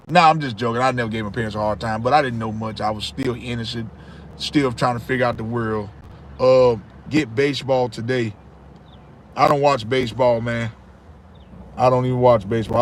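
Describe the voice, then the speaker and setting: A man's voice: mid-range voice, steady tone, normal speed, slight background noise. A man, chatting casually with viewers on a livestream and repeating himself often. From Charlotte, North Carolina. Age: 30s. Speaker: livestream host. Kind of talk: casual live chat reading comments.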